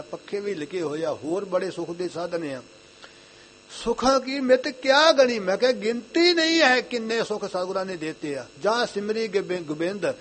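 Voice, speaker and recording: A young man giving an earnest Sikh sermon, repeating his phrases and reciting scripture lines slowly in a chanting way. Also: sits high, slight background noise. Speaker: Sikh preacher.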